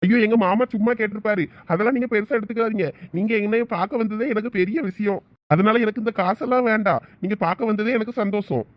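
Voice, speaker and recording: A man's voice: sits high, fast talker, no echo, lightly acted. A man voicing a young village man with a swollen face, whining in pain, with a Thoothukudi Tamil accent. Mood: polite, flustered. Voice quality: whiny, groaning. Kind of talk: cartoon voice acting. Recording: dull lo-fi audio.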